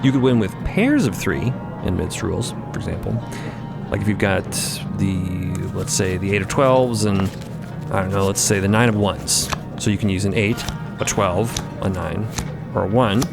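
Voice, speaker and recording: A man's voice: sits low, expressive, normal speed, creaky. A man voicing a brash, easygoing woman card dealer in audio fiction, with a folksy, rambling, casual way of talking. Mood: casual explaining. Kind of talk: audio fiction character dialogue. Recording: music bed behind voice.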